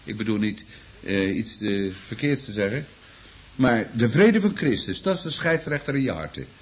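A man's voice: on the low side, very animated, normal speed. A man preaching a sermon to his congregation, earnest and exclaiming, often repeating himself as he restarts sentences. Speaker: pastor. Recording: dull lo-fi recording.

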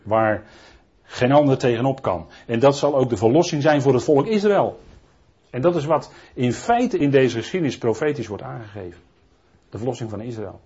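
Male preacher, husky, rambling Bible-study delivery full of restarts, muffled low-fidelity recording. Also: lively intonation, moderate pace, darkish tone. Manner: rambling, frequent tag questions and restarts. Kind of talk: Bible teaching sermon. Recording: dull lo-fi recording.

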